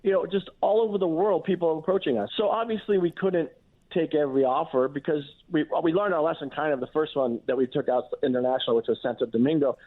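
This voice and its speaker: A man's voice: fairly high pitch, quick pace. A man who is a chef and restaurant owner, talking casually as a radio interview guest, with lots of restarts and "you know"s. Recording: tinny phone-line audio.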